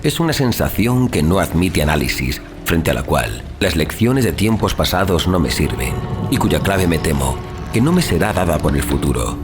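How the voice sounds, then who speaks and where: A deep male voice narrates a gothic horror story over clearly audible music. His delivery is solemn and theatrical, with widely swinging intonation that suits old literary prose. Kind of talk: dramatic scripted audiobook narration of a horror tale. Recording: music under the voice.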